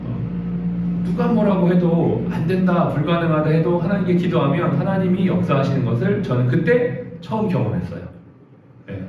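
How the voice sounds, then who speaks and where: A man's voice: on the high side, a little mellow. A man preaching a sermon in a hospital chapel, earnest and storytelling, acting out the voices of people he quotes. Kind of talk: sermon with personal testimony. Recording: very echoey, distant, dull, faint noise.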